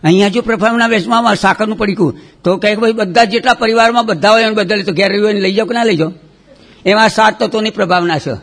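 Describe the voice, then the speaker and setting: High-voiced man leading a chanting class. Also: vocal fry. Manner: chants terms loudly with hand gestures, then scolds softly and quickly. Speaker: religious teacher of children. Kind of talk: call-and-response chanting lesson.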